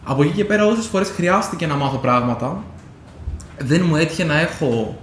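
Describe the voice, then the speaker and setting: A man co-hosting a podcast, chatting casually and circling back with fillers and restarts. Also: a little high. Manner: rambling, many fillers and restarts. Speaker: podcast co-host. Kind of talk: casual chat. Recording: echoey room with faint noise.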